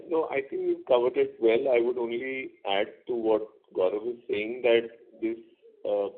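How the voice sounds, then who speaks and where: A man with an Indian accent speaks as a company executive on an earnings call, explaining things in an assured way over a phone line. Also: fairly low pitch. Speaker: company executive answering analyst questions. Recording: tinny narrowband conference phone line.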